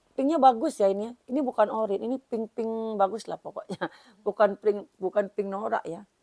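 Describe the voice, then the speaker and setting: A woman talks at a fairly quick pace in a fairly high voice with a dark, mellow tone, ordinary pitch variation and big swings in loudness, recorded with a dry, close sound and no echo. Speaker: online seller of used branded bags. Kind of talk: product unboxing sales video. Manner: casual, chatty.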